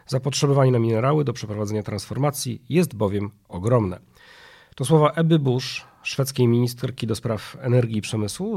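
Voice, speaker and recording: Male podcast host, medium pitch. Nasal, congested, hoarse delivery with noticeable vocal fry. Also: a little mellow. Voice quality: nasal, stuffed-nose voice. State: hoarse from a viral illness. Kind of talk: podcast monologue, partly scripted.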